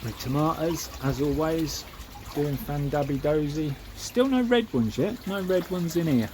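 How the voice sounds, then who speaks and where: Animated and on the high side, this man vlogs about his koi from beside the garden pond at a measured pace, chatty and homely with many fillers. The background is noisy, and the camera mic alternates between handheld and tripod.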